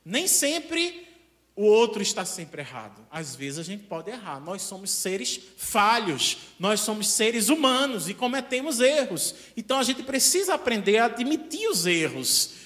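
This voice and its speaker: A man with a Brazilian accent giving a spiritist lecture in an animated, conversational way, with frequent questions to the audience. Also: high-pitched, normal speed, hardly any pauses.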